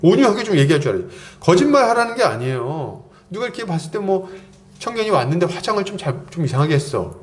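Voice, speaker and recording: Lively Korean pastor preaching conversationally. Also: male voice, high voice, fast talker. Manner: conversational preaching, acts out quoted lines, chuckles often. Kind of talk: sermon.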